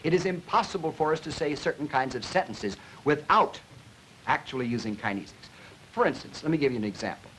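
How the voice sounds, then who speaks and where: A man giving an explanatory educational lecture in an emphatic, deliberate, didactic way, as a linguistics lecturer. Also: a little high, animated, a bit bright. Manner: emphatic, deliberate, didactic, stressing key words. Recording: noisy 1950s educational film soundtrack.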